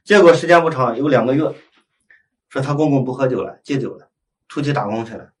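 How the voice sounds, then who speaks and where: A man leading Catholic prayer, telling a story in conversation and acting out the quoted dialogue with lively voices. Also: mid-range voice, fairly quick, recorded from a distance.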